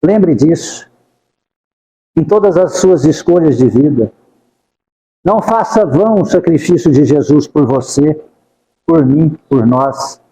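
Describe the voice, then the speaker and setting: Guy preaching at a spiritist center, high voice but mellow, fervent pleading prayers, hall echo. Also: lively intonation, slow, pauses often. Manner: fervent, pleading, repeats the name of Jesus. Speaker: spiritist lecturer. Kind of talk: devotional talk with spoken prayers.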